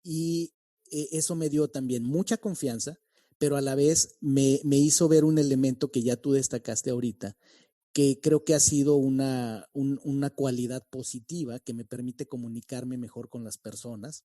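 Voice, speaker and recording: Man, neutral Mexican accent, podcast host, very mellow dark tone, dry sound, thoughtful, many restarts. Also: mid-range voice, steady tone, no room sound. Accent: neutral Mexican Spanish. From Mexico City. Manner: reflective, halting with restarts. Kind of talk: podcast interview.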